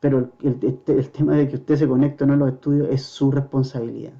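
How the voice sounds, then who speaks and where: A man preaching a verse-by-verse sermon as pastor, earnestly asking the congregation rhetorical questions and slowing down to stress scripture quotes. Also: medium pitch, fairly even intonation, gravelly, warm tone, muffled recording.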